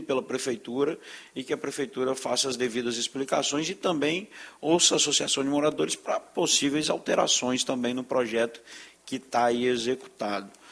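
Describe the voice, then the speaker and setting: At a moderate pace, a man talks in an unremarkable speaking voice, pitched fairly high with ordinary pitch variation. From Brazil, Espírito Santo (Serra). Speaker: state legislator chairing committee. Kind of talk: committee meeting speech. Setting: legislative chamber, live broadcast.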